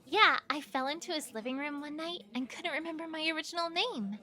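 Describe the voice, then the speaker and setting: A woman's voice: high-pitched, fairly quick, pushed and bright. A woman playing a cute, friendly young girlfriend in an amateur audio story. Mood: cheerful, chatty.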